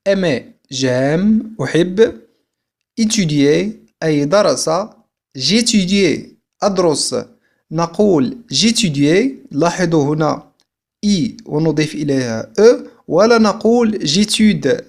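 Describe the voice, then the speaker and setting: A man from Algeria with a somewhat high voice teaches a video language lesson. He drills each example sentence slowly and repeats it before explaining it in Arabic. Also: creaky. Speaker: French teacher.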